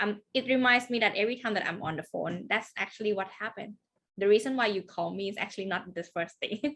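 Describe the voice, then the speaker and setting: A woman with a Thai accent speaks at a very fast pace. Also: medium pitch for a woman, ordinary pitch variation. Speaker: podcast host. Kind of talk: interview.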